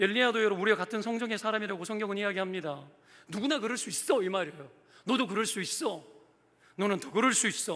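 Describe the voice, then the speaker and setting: A man's high-pitched, raised, projected voice, bright and sharp in tone, with lively intonation at a very fast pace. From Gyeongsang Province, South Korea. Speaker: pastor. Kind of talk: sermon. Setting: church. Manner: animated.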